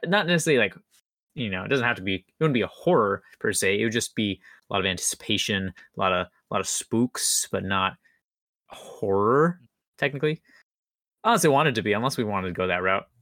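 A man's voice: lowish voice, pushed and bright, dry recording, studio quality. A man co-hosting a podcast in casual chat, rambling as he thinks aloud. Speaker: podcast co-host.

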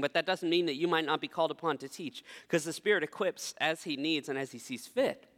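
A young man delivers a sermon. He keeps it conversational and pokes fun at himself. His voice sits a little high and carries a long reverb, as if filling a large sanctuary. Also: a bit bright. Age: 20s. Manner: conversational, self-deprecating humor. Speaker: pastor.

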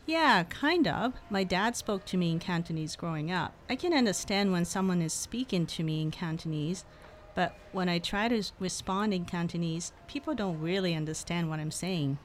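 A woman's voice: fairly low pitch, moderate pace, a little hiss or hum, close to an everyday voice. A woman as a chatty young student friend. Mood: candid. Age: young adult. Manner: chatty, upbeat.

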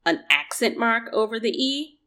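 A woman's voice: fairly high pitch, animated, normal speed, pushed and bright. A woman co-hosting a casual tech news podcast, chatty and polite in manner. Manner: chatty, polite, laughs easily. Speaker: podcast co-host.

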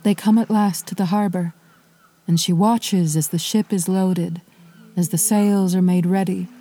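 A woman narrating an old myth as a podcast storyteller, in a measured, lyrical way. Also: lowish voice, fairly even intonation, dark tone, slight background noise.

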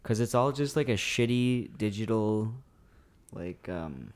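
A man's voice: on the low side, lively intonation, a little slow, a little mellow. A young man co-hosting a casual podcast, loose and jokey, laughing and swearing often. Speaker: podcast co-host, band member. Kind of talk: casual chat.

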